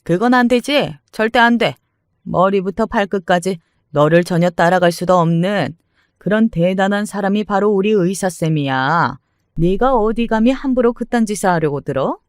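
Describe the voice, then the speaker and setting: A man voicing a domineering, scornful older mother-in-law, scolding in a shrill, contemptuous way. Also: moderate pace, smooth, dry recording, clean studio sound. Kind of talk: dramatized story reading.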